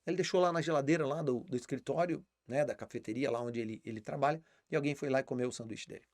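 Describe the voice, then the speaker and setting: A man's voice: mid-range voice, fast talker, no echo, studio quality. A man with a Brazilian Portuguese accent teaching English in a live online lesson, explaining patiently and repeating words as he thinks.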